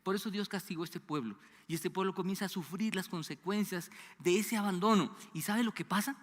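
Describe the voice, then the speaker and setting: A Colombian man in his fifties with a Bogotá accent, preaching a sermon in an animated way, asking the congregation questions and sometimes dropping to a low, hushed voice. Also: a little fast. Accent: Colombian Spanish (Bogotá). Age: 50s. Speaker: pastor. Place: church sanctuary. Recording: long church hall reverb.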